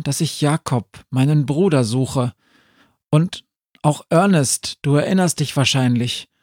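Man doing a young witch girl, higher voice. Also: a little mellow, dry recording, clean studio sound.

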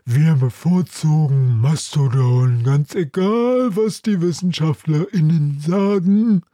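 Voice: mid-range voice, slow, dark tone, dry recording, clean studio sound, lightly acted. A storyteller voicing a hurt, grumpy mastodon that wheezes and whines through its nose. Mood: whining. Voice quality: nasal, wheezing. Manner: whiny complaining. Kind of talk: audiobook character voice.

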